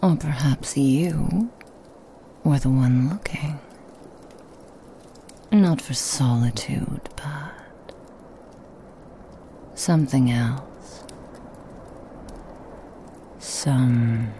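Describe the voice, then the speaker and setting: Woman doing a sly demon lady, whispery and teasing, really slow and dark. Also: rumbling low, a little hiss or hum, full character voice. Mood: teasing whisper. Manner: soft whispering, teasing and insinuating. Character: seductive female Christmas demon, sly and menacing. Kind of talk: ASMR roleplay.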